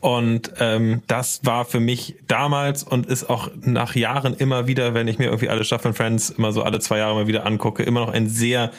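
A man's voice: mid-range voice, flat delivery, fairly quick, few pauses. A man, co-hosting a podcast and casually telling stories. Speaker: podcast co-host. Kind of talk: casual storytelling in podcast chat.

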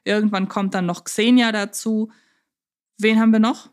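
A woman speaks as a podcast co-host in a casual discussion. Her delivery is conversational and unscripted, with the sense that she is thinking out loud as she goes. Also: mid-range voice, fairly even intonation, normal speed. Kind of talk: casual podcast discussion of an audio drama series.

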